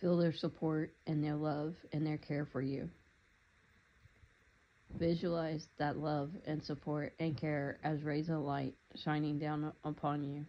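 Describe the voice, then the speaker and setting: Guided meditation voice, calm, unhurried, even pitch, dull lo-fi sound. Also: a little hiss or hum. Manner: calm, unhurried, gently instructive.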